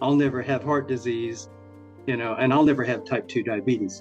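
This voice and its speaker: Over music in the background, a man with a medium pitch speaks in fairly even intonation. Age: 70s. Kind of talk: interview answer.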